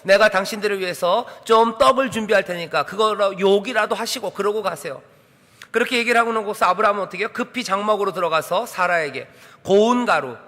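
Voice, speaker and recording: Male pastor, sermon; high bright voice, reverberant church hall, asks questions and acts out dialogue. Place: church sanctuary.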